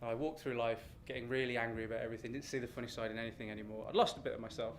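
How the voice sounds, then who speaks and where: A British man telling an animated, ranting comic story live on stage, exasperated, self-deprecating and sweary. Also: mid-range voice, very fast. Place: live storytelling event with room ambience. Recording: noisy live venue recording.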